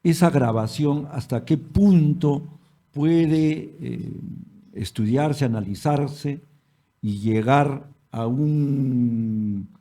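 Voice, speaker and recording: A man's voice: medium pitch, very slow, mellow. A man hosting an interview, asking long hypothetical questions with some hesitant restarts. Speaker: host.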